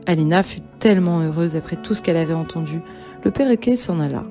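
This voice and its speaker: A woman narrates a children's fairy tale in a fairly low, mellow voice. She reads from a script as a storyteller, with music playing behind her. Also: expressive, fast talker. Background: background music.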